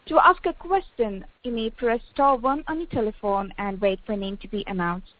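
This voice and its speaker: A woman's voice: fairly high pitch, normal speed. A woman working as a conference call operator, reading scripted instructions in a formal, procedural way. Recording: narrow tinny phone line.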